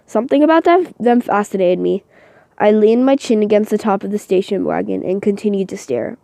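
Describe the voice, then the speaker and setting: A woman's voice: medium pitch, animated, brisk, creaky, dark tone, no echo. Woman narrating a novel, very dry sound. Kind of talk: dramatic novel narration for a voice audition.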